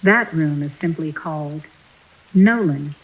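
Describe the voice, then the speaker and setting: Lower-pitched female attendant, courteous, composed, formal, uncanny audio drama, light hiss behind. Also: a little slow, poor audio. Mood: composed, polite.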